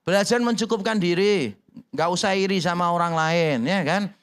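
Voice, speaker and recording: A pastor in a church delivers a sermon with a high, light voice. He keeps it humorous, slipping into little acted dialogues with playful voices. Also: normal speed, smooth.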